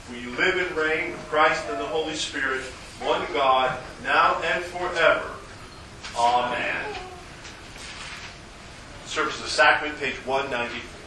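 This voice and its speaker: A pastor leading solemn liturgical prayers and chanting the service in a large church, his voice ringing with a cathedral-like echo. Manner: solemn, measured prayer reading. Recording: booming church echo, distant mic, background noise.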